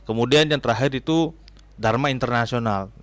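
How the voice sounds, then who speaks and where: A man's voice: medium pitch, fairly quick, dry recording. A man in his twenties, a Hindu religious counselor, explaining things as a radio guest with frequent fillers. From Bali, Indonesia. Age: 20s. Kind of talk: casual radio interview.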